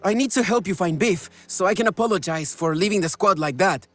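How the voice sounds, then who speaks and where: A man's voice: high-pitched, fairly quick, fairly bright tone, faint music behind. A man acting a lovesick, earnest young mercenary in a video game, melodramatic and formally spoken. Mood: humbly grateful.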